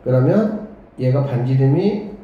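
A man's voice: mid-range voice, lively intonation, a little slow, a little hiss or hum. A man teaching a math lesson at the board who keeps checking in with rhetorical questions and murmurs as he draws. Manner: talks while drawing on the board, murmuring along. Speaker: academy director teaching math. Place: classroom. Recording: echoey classroom on a dull lo-fi mic.

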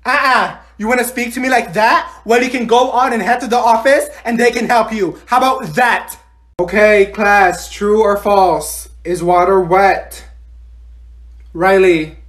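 A woman's voice: mid-range voice, a little slow, close to an everyday voice. Woman playing a bossy, exaggerated schoolteacher. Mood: stern, sassy, then instructing. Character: bossy, fake-cheerful female schoolteacher scolding her class. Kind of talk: comedy classroom skit.

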